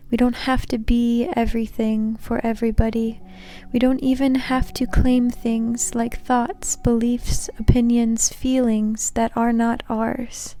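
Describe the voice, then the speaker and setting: Slow, soft-toned woman guiding meditation. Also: a little high. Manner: soothing, gentle, unhurried. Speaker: meditation guide, host. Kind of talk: guided meditation narration. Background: soft background music.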